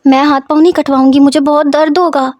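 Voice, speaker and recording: Lady putting on a high little-girl voice, scared and clingy, pleading like a kid, dry sound. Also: flat delivery, darkish tone, no room sound, dull audio, natural voice. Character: frightened childlike young woman, distrustful and clingy.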